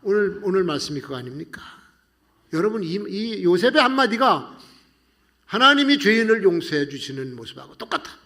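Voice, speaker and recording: A male pastor with a high voice preaches a sermon at a moderate pace. He tells the story in an animated way, swinging between loud passages and hushed ones.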